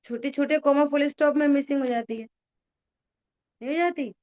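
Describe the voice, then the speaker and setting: A woman teaching a religious discourse in an expressive voice, often exclaiming and checking whether her listeners follow. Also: sits high, normal speed. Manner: keeps asking listeners if they follow; expressive, exclaims and acts out little dialogues. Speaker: spiritual teacher.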